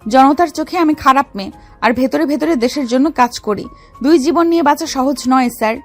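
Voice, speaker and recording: A woman's voice: sits high, fairly quick, natural voice. A woman playing a bold young female gangster and secret officer in a dramatized love story, commanding yet affectionate. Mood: firm, proud. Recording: music under the voice.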